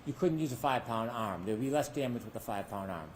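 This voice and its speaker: A man's voice: medium pitch, expressive, quick pace, slight background noise. Male trial lawyer, pointed cross-examiner, mid-range voice, courtroom recording. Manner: pointed leading questions with tag endings. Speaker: defense attorney.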